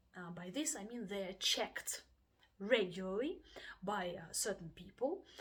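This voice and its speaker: A woman talks at a medium pitch. Her loudness swings widely. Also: ordinary pitch variation, moderate pace. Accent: Russian. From Russia. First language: Russian. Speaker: English exam teacher. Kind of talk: tutorial. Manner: animated.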